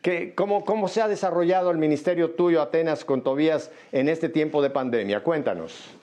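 A man's voice: a little high, a little fast, a little mellow. An older man hosting a Spanish-language radio interview, chatty and jovial. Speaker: radio host. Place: studio in Miami.

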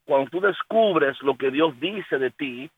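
A man from the United States speaks as a pastor on a phone-like line. His voice sits a little high for a man. He talks in an earnest, repetitive way and slips English phrases in. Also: expressive, a little slow, husky, no room sound. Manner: earnest, repeats words, mixes in English. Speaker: pastor and guest. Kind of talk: faith interview, reflective.

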